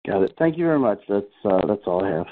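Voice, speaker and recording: Male analyst, fairly low voice, conversational and searching for wording, tinny telephone audio. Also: sing-song. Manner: halting, rephrasing as he goes. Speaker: financial analyst asking questions. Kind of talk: conversational earnings call questions. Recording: thin phone conference line.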